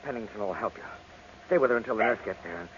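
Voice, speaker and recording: A man's voice: fairly low pitch, fast, a bit bright, natural voice. An actor playing a stern, urgent young man in an old-time radio drama, clipped and commanding. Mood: pained, urgent. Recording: muffled, noisy old radio recording.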